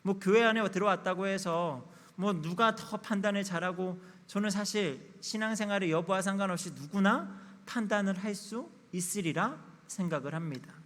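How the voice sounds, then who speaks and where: Thirties male pastor, slightly high voice, candid confessional sermon, church reverb. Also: fairly bright tone. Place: church sanctuary.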